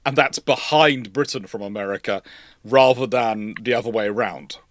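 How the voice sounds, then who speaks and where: A man with a fairly low voice, speaking at normal speed, hosts a naval history livestream. He discusses history casually and analytically, drifting discursively and often rephrasing what he's said.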